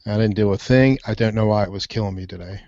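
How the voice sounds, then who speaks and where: Easygoing low-voiced male co-host. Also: fast, warm tone, dry recording. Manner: easygoing, laughs easily. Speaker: podcast co-host. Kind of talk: casual chat. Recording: dry, slightly dull home recording.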